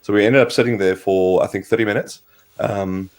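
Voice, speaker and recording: A man co-hosting a casual tech livestream, hoarse from a cold, explaining things in a rambling way with lots of fillers. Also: fairly low pitch, fairly even intonation, brisk. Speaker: co-host.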